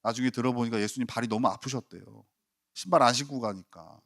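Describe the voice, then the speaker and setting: A male pastor delivering a Sunday sermon, animated, often acting out quoted voices. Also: medium pitch, fast talker, vocal fry. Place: church sanctuary.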